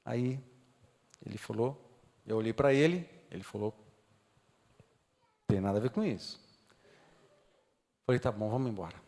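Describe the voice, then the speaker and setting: A Brazilian man preaching a sermon, telling a story with feeling and swinging from quiet low talk to loud high cries. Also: moderate pace, vocal fry, long pauses, long reverb tail. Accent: Brazilian Portuguese. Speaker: pastor. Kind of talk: sermon testimony. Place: church hall.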